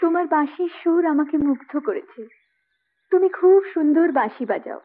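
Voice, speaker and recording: Soft, emotional young heroine, high voice, tinny film audio with music. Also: female voice, animated, moderate pace. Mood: tender. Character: young village girl and a princess.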